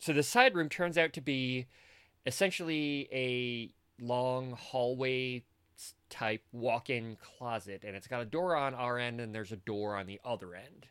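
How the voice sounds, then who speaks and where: With an American accent and a normal speaking voice, a man of medium pitch talks at a fairly slow pace with ordinary pitch variation and big swings in loudness, in a very clean recording with a silent background. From Michigan. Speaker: author. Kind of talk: casual interview, telling personal ghost stories. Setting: recording at home.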